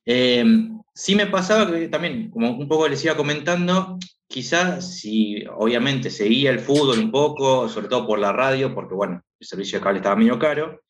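A man in his thirties from Argentina, with an Argentine accent, talking casually as a guest and filling his pauses with "este". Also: mid-range voice, lively intonation, a bit bright. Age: 30s. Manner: rambling, lots of filler "este". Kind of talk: casual chat.

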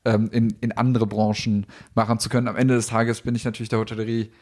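A man's voice: on the low side, level tone, fast talker, darkish tone. A young man from Belgium, a startup founder, talking as a guest in a casual interview, hesitant and thinking aloud with many fillers.

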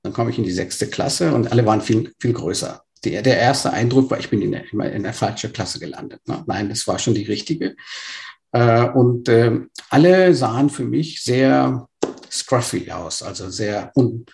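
A man's voice: mid-range voice, normal speed, gravelly, a little mellow. A man in his fifties, born in Burma, telling his life story as an interview guest, hesitant with many fillers and restarts. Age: 50s.

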